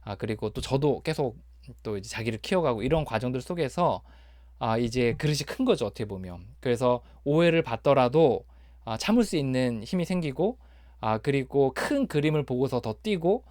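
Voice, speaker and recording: A man giving a personal testimony on recovery, speaking haltingly with many fillers and restarts. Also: medium pitch, sing-song, darkish tone, no echo, clean studio sound.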